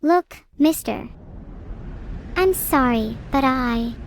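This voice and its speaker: High-pitched ai girl streamer, flat sarcastic delivery, chatting over a game. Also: takes it slowly, a little hiss or hum. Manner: deadpan, sarcastic. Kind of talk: casual game chat.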